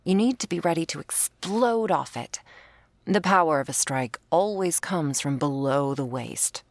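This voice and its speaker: A woman's voice: low voice, lively intonation, measured pace, no echo. A woman performing an ASMR roleplay as a commanding, teasing werewolf hunter who instructs the listener. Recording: faint string music behind.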